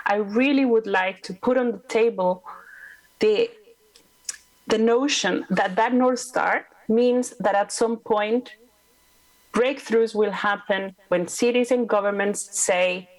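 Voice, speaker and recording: A woman's voice: medium pitch, rough recording. A woman with a Costa Rican accent, a native Spanish speaker, speaking emphatically and persuasively as a panelist. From Costa Rica. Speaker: panelist, climate advisor. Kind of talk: panel discussion remarks.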